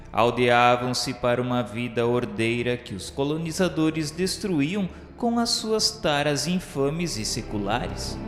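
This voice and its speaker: A Brazilian man reading a scripted dramatic radio narration in a solemn, formal, measured manner. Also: mid-range voice. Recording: echoey hall-like reverb. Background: music.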